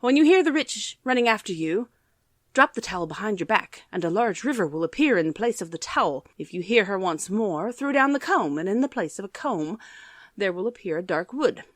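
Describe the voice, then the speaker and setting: A woman's voice: medium pitch, animated, no echo, clean studio sound, close to an everyday voice. A woman voicing a serious, helpful black cat giving careful instructions. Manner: serious, measured.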